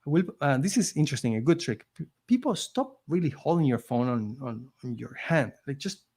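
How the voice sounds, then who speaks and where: A man's medium-pitched voice comes across animated, a little fast and a little mellow, with a breathy edge. He speaks English with a non-native accent, an immigrant in Canada recounting his story on a podcast in an earnest, emphatic, motivational, conversational manner.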